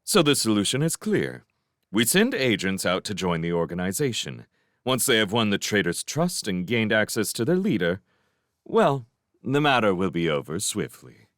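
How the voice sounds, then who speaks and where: A man's voice: lowish voice, very animated, normal speed, a bit bright, dry recording, clean studio sound. A man reading aloud, voicing a proud young male apprentice who talks stiffly and guardedly and flares into outrage.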